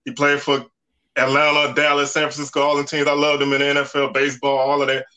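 A Southern US podcast guest in his forties chats casually about college football with a drawl. His slightly high voice is bright, forceful and quick, and he stays relaxed and conversational, leaning on lots of "you know" and "man."

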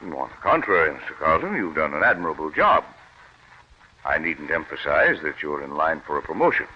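Polite bureaucrat, very deep voice, muffled old radio sound. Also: male voice, sing-song, fairly quick, breathy edge, full character voice. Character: cautious government secretary, bureaucrat. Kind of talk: 1940s radio acting.

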